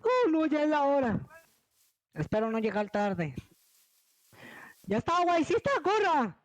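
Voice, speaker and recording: A young man with a Latin American accent chats and roleplays over a game. His pitch jumps around in a lively way and the sound is dry. He talks slangily and excitably. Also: a little slow, no room sound. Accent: Latin American Spanish. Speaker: gaming video creator. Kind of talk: casual gaming chat and roleplay.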